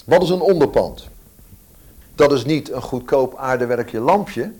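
A man's voice: medium pitch, expressive, slightly rough. Earnest male preacher. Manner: earnest, with emphatic pauses and swings between loud and hushed. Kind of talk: sermon.

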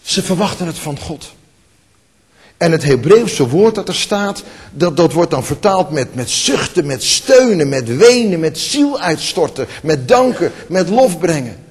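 A man preaching a sermon, moving between hushed, tender passages and rising, emphatic calls. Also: fairly high pitch, lively intonation, measured pace, husky. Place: church. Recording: long hall reverb.

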